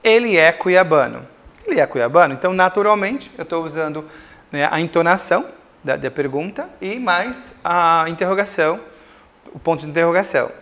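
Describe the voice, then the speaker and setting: A Brazilian man teaching English grammar in a recorded school lesson, explaining slowly with repeated examples and checks like "certo?". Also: a little high, lively intonation, fairly bright tone. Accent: Brazilian Portuguese.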